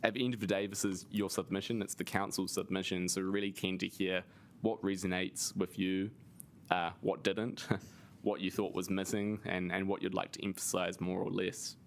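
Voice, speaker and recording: A man's voice: deep voice, level tone, normal speed, gravelly, slight background noise. A man, presenting as a council officer in a formal meeting, polite and careful. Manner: polite, careful, a little hedging.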